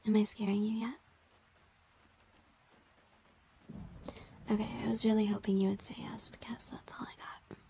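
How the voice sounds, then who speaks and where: A woman playing a playful, flirty crush in an intimate ASMR roleplay, speaking in a soft, breathy whisper with a teasing, hesitant manner. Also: mid-range voice, level tone, quick pace, a little hiss or hum, lightly acted. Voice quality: breathy, mostly unvoiced whisper.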